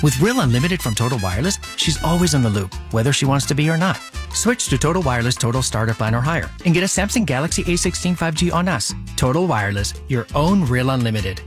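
A man reading a commercial voice-over in a wry, quick way. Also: medium pitch, animated. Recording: ad with loud guitar music.

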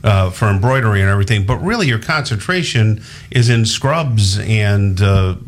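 A man's voice: lowish voice, expressive, normal speed. A male co-host interviewing a guest, often affirming and interjecting. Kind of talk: interview conversation.

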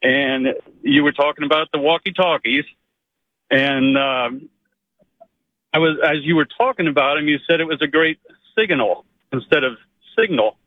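A man from Pennsylvania calling in to a radio show, friendly and gently teasing. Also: fairly high pitch, moderate pace, long pauses, no echo. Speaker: caller. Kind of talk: phone call to radio show. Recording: tinny phone line.

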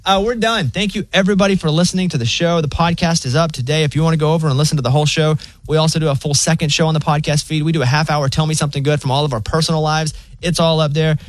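Laid-back Southern radio host, dry mic. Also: male voice, fairly high pitch, fairly even intonation, rapid-fire, few pauses, no echo. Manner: laid-back, joking, plainspoken. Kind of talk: casual radio banter.

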